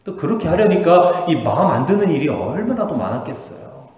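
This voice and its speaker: A male pastor preaching a sermon in a church sanctuary, his fairly high voice leaping up in emphasis and sinking to near whispers. Everything rings out with a long, roomy hall reverb. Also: very animated, fairly quick. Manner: earnest preaching with emphatic rises and soft drops.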